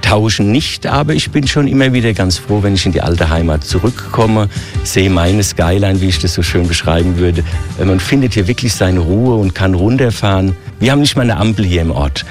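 A man from Hesse with a Hessian accent, a hotel director explaining his hotel in a radio interview in a relaxed, listing way. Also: deep voice, normal speed, soft background music. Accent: Hessian German. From Hesse, Germany.

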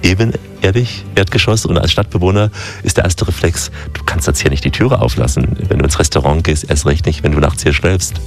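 Very deep-voiced radio travel presenter. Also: male voice, fairly quick, faint music behind. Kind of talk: radio interview and narration.

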